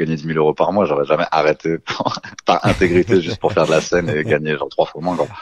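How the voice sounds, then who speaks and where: A man talks at a fairly quick pace with a very deep, low pitch and vocal fry. The sound is dry and close, with no echo. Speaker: stand-up comedian and musician. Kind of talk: interview answer. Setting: phone line.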